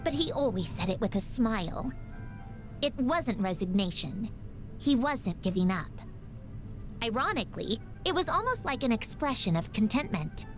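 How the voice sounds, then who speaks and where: A woman's voice: a little high, very animated, normal speed. An actress playing a proud young woman inventor in a video game, haughty and sardonic yet composed. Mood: calm, wistful. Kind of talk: video game character voice lines. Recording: background music.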